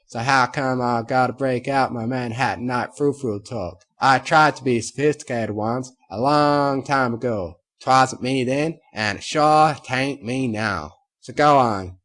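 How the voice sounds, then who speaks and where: Southern farm mare, defiant and plainspoken, as a man reads her, raised and husky. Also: mid-range voice, natural voice. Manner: loud drawling rant.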